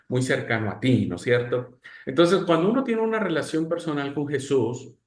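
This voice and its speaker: A man teaching a Bible class, telling stories with sudden swings from loud to soft. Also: fairly high pitch. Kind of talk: class discussion. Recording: echoey room.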